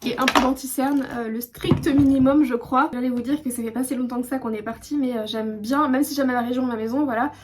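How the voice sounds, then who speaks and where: A woman's voice: high-pitched, steady tone, a little fast, few pauses, a little hiss or hum. A woman from France chatting casually to her phone camera in a hotel room, rambling with many fillers and restarts. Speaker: vlogger. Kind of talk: casual vlog chat to camera.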